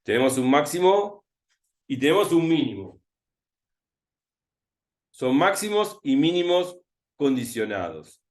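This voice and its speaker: A man with a Rioplatense Spanish accent teaching a recorded math lesson, thinking aloud and repeating words slowly as he writes. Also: fairly high pitch, big pitch swings. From Argentina. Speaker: math tutor.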